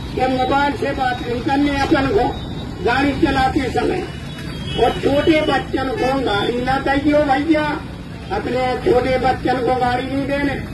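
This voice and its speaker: A very slow-speaking man with a Bundelkhand accent against loud background noise. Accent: Bundeli dialect. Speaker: local announcer. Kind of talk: public awareness announcement. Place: street. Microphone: handheld.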